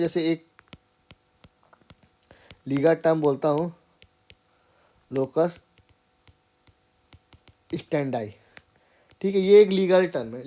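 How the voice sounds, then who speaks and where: A man with a high, mellow voice delivers a casual grammar lecture to his class. Step by step he explains the material, checking in with his students frequently by saying "theek hai".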